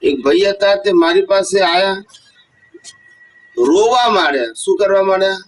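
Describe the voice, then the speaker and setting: A spiritual teacher gives a devotional discourse to a gathering, telling stories, posing rhetorical questions and often checking that listeners understood. His voice sits high and he speaks unhurriedly, picked up from a distance.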